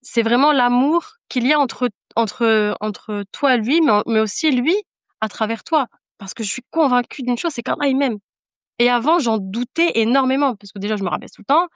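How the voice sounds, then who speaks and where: A woman's voice: fairly high pitch, normal speed, no room sound, studio quality. A woman speaking as a podcast guest in casual conversation, giving an earnest, emphatic personal testimony and repeating phrases for emphasis.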